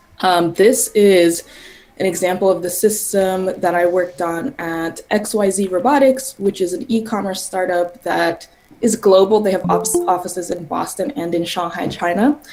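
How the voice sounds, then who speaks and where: This woman has an American accent and speaks at a moderate pace. Noticeable background noise runs behind her. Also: medium pitch for a woman, ordinary pitch variation. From US, Denver. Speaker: robotics engineer, guest speaker. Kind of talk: presentation.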